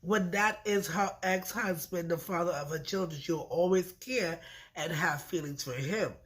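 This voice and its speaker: A woman with a blocked-up, stuffy nose from allergies talks through a reality TV episode. She is chatty and blunt, swears freely and throws in lively asides. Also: lowish voice, moderate pace. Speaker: reality TV reviewer. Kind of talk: casual recap vlog.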